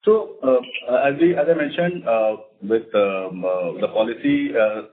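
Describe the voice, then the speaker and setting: Through a thin, phone-like line comes an Indian man with a mid-pitched voice. He sounds like a company executive addressing investors, formal and measured in his delivery. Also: lively intonation. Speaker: company executive on an earnings call. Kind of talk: prepared remarks and formal investor answers. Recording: narrow, phone-like conference line.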